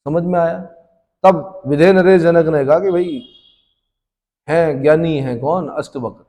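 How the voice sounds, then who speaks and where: With a mellow, fairly high voice and a measured pace, a man teaches history for exam prep. He keeps quizzing the class and supplying the answers himself, all in a room with long, echoing reverb.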